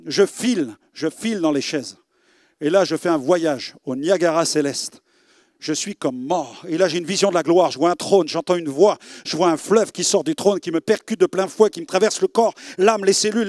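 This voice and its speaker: Male preacher, middle-aged, vivid sermon storyteller, high voice. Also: dry recording, clean studio sound. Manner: dramatic storytelling, acting out dialogue. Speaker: preacher giving a testimony. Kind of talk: sermon testimony. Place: church.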